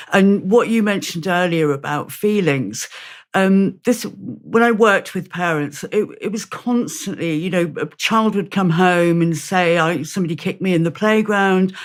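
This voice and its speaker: A woman hosting a conversational interview, speaking in a measured, reflective way with some hesitations. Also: lowish voice.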